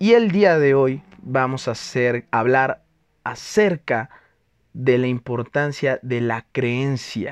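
Speaking very slowly at a medium pitch, a man uses ordinary pitch variation in a dry, close recording with no echo. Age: 20s. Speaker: network marketing team member. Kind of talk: motivational talk. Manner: energetic.

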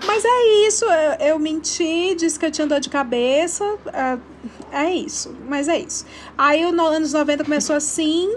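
At a fairly slow pace, a woman with an extremely high pitch and ordinary pitch variation speaks over noticeable background noise. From Ceará, Brazil. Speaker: podcaster. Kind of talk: casual chat.

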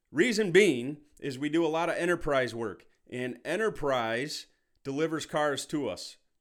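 On a very clean recording with a silent background, an ordinary speaking voice carries lively intonation. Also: man. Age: 40s. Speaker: podcast host and hail repair shop owner. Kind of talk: casual solo podcast monologue. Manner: casual, with many fillers.

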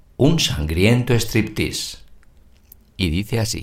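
A man with lively intonation. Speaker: podcast host and author. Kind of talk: ghost story telling, reading aloud a horror tale in first person.

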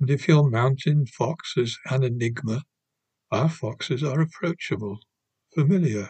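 A man at a medium pitch, somewhat breathy, fairly slow in pace, with ordinary pitch variation and very even loudness. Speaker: poet. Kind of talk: poetry reading.

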